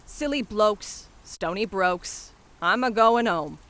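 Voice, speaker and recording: A woman voicing a brash, warm-hearted young Cockney flower seller who scolds and hawks her wares in a dramatic poem. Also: medium pitch, takes it slowly. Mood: scolding, exasperated. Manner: street-hawker cries, scolding and dropping h's. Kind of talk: dramatic poetry performance.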